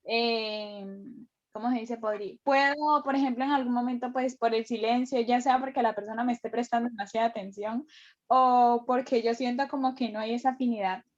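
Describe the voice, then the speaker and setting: A woman's voice: a little high, steady tone, a little fast. A woman student answering in class, hesitant and searching for her words. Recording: dull lo-fi sound.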